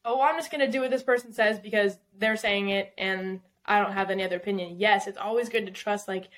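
A woman's voice: mid-range voice, quick pace, fairly bright tone. Young woman guest, chatty and loose, many fillers, laughs easily. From Southern California. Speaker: guest singer-songwriter. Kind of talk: casual podcast interview.

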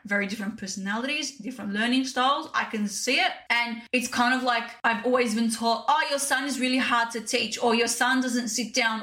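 A woman's voice: on the high side, sharp tone. A woman, hosting a casual solo podcast and talking to listeners in a chatty, direct way. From Australia. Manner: chatty, direct, addresses listeners as "you guys". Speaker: podcast host.

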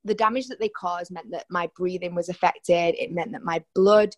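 A young woman from Manchester, England, with a Manchester accent, is a podcast interview guest, a personal trainer and nutritionist telling her story candidly and chattily over a remote call. Her voice is lowish and fairly even at normal speed, with studio quality and no room sound.

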